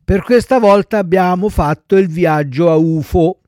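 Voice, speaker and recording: A man voicing solemn black rabbit undertakers, speaking slowly and gravely. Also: high-pitched, darkish tone, dry recording, studio quality, lightly acted. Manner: slow and grave.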